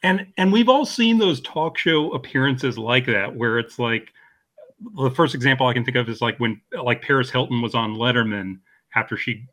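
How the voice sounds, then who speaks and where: Male podcast co-host, mid-pitched, bright tone, easygoing banter. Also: normal speed. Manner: relaxed, agreeable, laughing. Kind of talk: casual comedy discussion.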